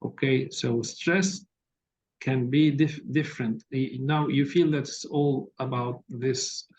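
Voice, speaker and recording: A man with a low, soft voice giving hesitant but direct feedback as an exam tutor over a video call. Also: fairly even intonation, takes it slowly. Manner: hesitant, many fillers, corrective and direct. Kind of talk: online tutoring feedback session. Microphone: laptop on a video call. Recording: dull lo-fi video call audio with faint hiss.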